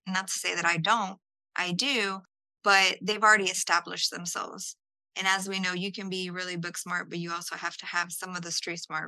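A woman with a very bright, forceful voice talks through her answers in a chatty, unpolished way, often restarting her words. The recording is dry and close, with no room sound. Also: on the low side, no room sound, low-quality recording. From El Salvador, raised in Houston. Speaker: podcast guest. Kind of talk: conversational interview answers.

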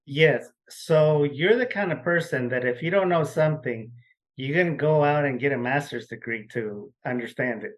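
A man hosting an interview podcast, opening with a formal, measured introduction before asking his guest questions. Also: a little high, rough recording. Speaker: podcast host. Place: Texas.

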